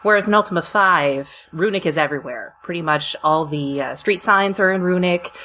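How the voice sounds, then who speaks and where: Really low voiced lady on a podcast, explaining stuff casually, bit noisy audio. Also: a little fast, bright, forceful tone. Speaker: podcast panelist. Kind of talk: casual discussion.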